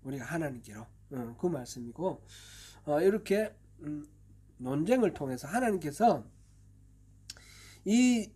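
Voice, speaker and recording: Male pastor, husky and fairly high-pitched; patient, explanatory Bible teaching with frequent throat clearing. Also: expressive, unhurried, pauses often, warm tone. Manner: explanatory, patient, many fillers; often clears his throat. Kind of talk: expository Bible teaching sermon. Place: church service.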